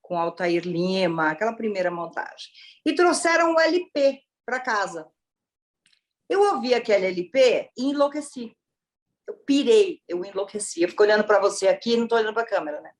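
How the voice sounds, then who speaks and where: A woman actress born in Italy and raised in Brazil, chatting in an interview as a lively storyteller full of exclamations. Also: medium pitch, normal speed. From born in Turin, Italy, raised in Brazil. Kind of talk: casual interview chat.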